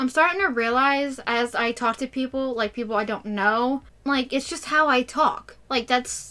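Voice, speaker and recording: A woman's raised, projected voice, high in pitch, at a moderate pace with hardly any pauses. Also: ordinary pitch variation. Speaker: YouTuber. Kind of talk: casual Q&A vlog. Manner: halting, repeated words.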